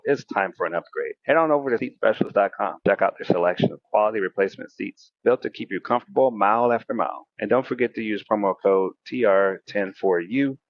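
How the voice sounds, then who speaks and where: A man's voice: on the low side, muffled recording. A male announcer reading a scripted advertisement in a punchy, salesy way. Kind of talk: scripted radio ad read.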